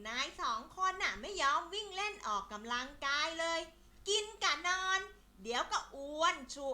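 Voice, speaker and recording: A woman's voice: sits high, very animated, moderate pace, pushed and bright, heavily acted. A woman voicing a friendly, industrious little ant in a children's story, speaking plainly with a chiding streak.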